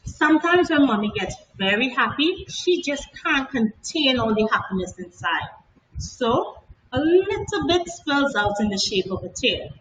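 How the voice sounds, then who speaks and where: Woman reading a kind storybook father, animated intonation. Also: high-pitched, a little slow, exaggerated voice. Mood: kindly, explaining. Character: kind young father, patient and sincere explainer. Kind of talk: children's storybook read aloud. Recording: echoey room, distant mic, slight noise.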